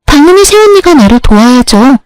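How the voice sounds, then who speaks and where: A woman's voice: high-pitched, big pitch swings, a little fast, no echo, faint music behind, voice pushed up, rough recording. A woman voicing a rude, spoiled young sister-in-law who talks in a snippy, mocking way, in a storybook reading. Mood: snide.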